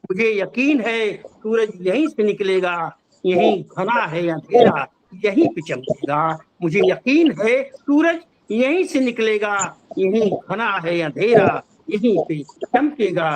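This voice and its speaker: A man's voice: high voice, expressive, takes it slowly, a crowd in the background. A man, a poet, reciting his ghazals over a video call and repeating each couplet twice.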